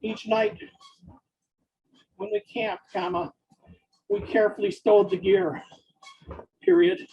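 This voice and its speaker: Husky, creaky voice dictating with spoken punctuation. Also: mid-range voice, sing-song, muffled recording. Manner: halting, delivered in short separated phrases. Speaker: author dictating a story. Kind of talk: dictating prose aloud, speaking punctuation marks.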